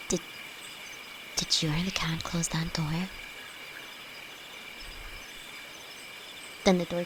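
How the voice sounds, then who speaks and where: Timid, slow-spoken young alchemist girl, played by a woman, over crickets. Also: medium pitch, background noise, close to an everyday voice. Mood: nervous. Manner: nervous, hesitant, stammering. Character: timid, easily frightened young female apprentice alchemist, affectionate best friend. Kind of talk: fantasy roleplay audio drama, intimate one-sided dialogue. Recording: night cricket and insect ambience throughout. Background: crickets and forest ambience.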